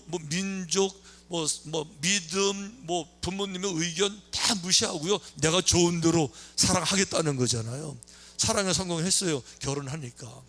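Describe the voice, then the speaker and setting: A man preaching a sermon as a pastor, telling stories in a lively way, acting out the characters' lines and tossing questions at the congregation. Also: fairly high pitch. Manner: lively storytelling, acting out quoted lines, chatty asides to the congregation. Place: church sanctuary.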